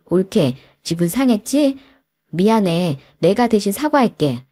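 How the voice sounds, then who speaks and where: A woman's voice: medium pitch, big pitch swings, measured pace, dark tone, dry recording, clean studio sound. A woman voicing a blunt, fair-minded sister-in-law who speaks her mind. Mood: apologetic.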